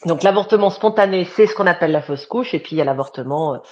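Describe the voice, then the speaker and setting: A woman's voice: fairly low pitch, expressive, fast. A woman hosting a live online interview as a love coach, chatty and hesitant with fillers. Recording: dull lo-fi sound.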